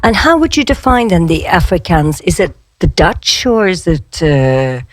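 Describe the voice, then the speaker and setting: A woman's voice: on the low side, very animated, measured pace, no room sound, clean studio sound. A woman hosting a conversational English-lesson radio show, chatty and inquisitive, asking questions in simple, reassuring phrases. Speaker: radio host and English teacher.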